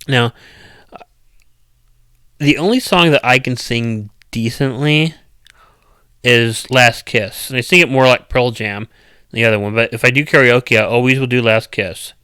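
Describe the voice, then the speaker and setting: Loud rambling man chatting with viewers. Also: medium pitch, unhurried, pauses often, clean tone, no room sound. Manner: rambling, loud, uneven cadence, many restarts. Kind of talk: casual live chat.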